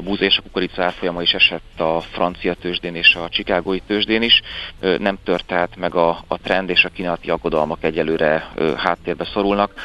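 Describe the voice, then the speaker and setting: Monotone, flat intonation carries this voice along at a moderate pace. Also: man, very deep, low pitch for a man. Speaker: commodity trader. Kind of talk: market briefing.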